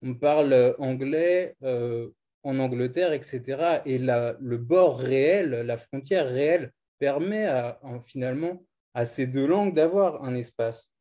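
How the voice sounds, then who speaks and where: A man's voice: medium pitch, unhurried, muffled recording. A man from Brittany, politely asking a thoughtful question after a lecture, with some hesitation. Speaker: audience member asking a question.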